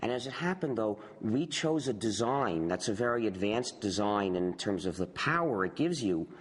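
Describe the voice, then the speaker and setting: A man explaining software history in a measured way during a documentary interview. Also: fairly low pitch, lively intonation, breathy edge, long reverb tail. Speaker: interviewee, software project founder.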